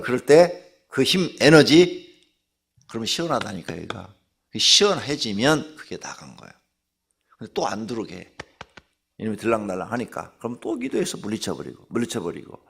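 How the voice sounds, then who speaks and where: A middle-aged male pastor gives a morning sermon in a slightly husky voice, and his pitch rises and falls widely. He talks to his listeners casually, keeps asking them questions, and breaks out into loud shouted commands. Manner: animated preaching, swings from soft asides to loud shouted commands; conversational, rhetorical questions to the congregation. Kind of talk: dawn sermon.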